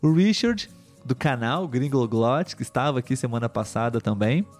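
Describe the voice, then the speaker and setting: Brief: man, mid-pitched, patient teacher closing a live stream, faint music behind. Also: animated, normal speed, a little mellow. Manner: patient, teacherly, many "ah" and "né" tags. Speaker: host of a live stream for Portuguese learners. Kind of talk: friendly live-stream wrap-up, reading viewer comments.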